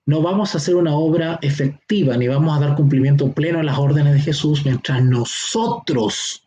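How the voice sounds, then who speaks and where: A man with a Chilean accent, his voice a little higher than most men's, teaches a Bible seminar in a slow, deliberate way. He drags out the words that matter and keeps asking if everyone is following. A faint hiss sits under his voice. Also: dark tone, dull audio. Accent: Chilean Spanish. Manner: explains slowly, stretching key words, with frequent checks like "¿ya?". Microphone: online class or teleconference.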